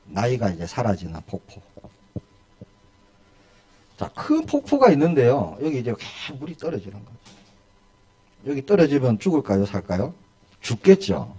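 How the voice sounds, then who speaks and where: A man's voice: medium pitch, warm tone. A male pastor preaching a sermon in a church, asking his congregation one rhetorical question after another.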